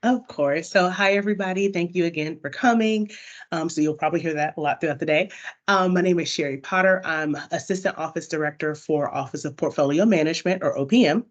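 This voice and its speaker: A woman from Alabama, an assistant office director, introducing her team on a video call in a friendly, relaxed way. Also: deep voice.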